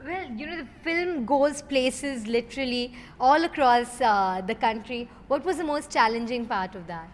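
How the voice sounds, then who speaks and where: A woman with a high voice hosts a celebrity interview, effusive and full of compliments. The sound rings with long reverb over background noise. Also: moderate pace, few pauses. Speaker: interviewer, host.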